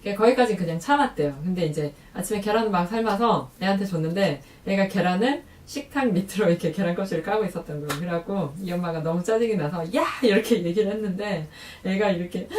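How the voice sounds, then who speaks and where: Lively woman vlogger in an echoey room. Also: distant mic. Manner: lively, acts out quoted lines in a higher voice. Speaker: parenting vlogger. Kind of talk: casual talk to camera.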